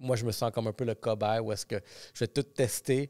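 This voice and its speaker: In a very clean recording with a silent background and a dry, close sound with no echo, a man with a Quebec accent speaks at medium pitch with fairly even intonation and a dark, mellow tone. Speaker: podcast host. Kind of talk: casual interview conversation. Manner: hesitant, many fillers.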